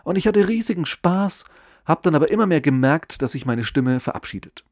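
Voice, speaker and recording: A man giving scripted advice on public speaking, in a measured, explanatory way with lively emphasis. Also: fairly high pitch, no echo, studio quality. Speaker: podcast host and speaking coach.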